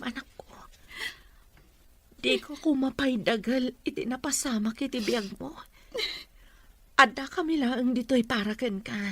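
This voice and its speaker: Woman acting tender Ilocano mother, higher-pitched voice. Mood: pleading, tender. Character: gentle, pleading, devoted mother comforting her grown daughter. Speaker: voice actor in an audio drama. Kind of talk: sentimental radio-style drama acting.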